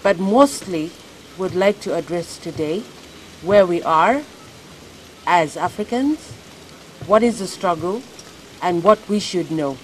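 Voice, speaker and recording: A woman hosting a morning talk show, steering her guests with measured questions. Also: on the low side, lively intonation, slight background noise, poor audio.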